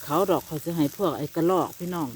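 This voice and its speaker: A vlogger with an Isan Thai accent grills outdoors at a charcoal grill in her backyard, chatting casually and rambling to her viewers, whom she often calls brothers and sisters. Her voice sits low with a steady tone and races along, with a little hiss or hum in the recording.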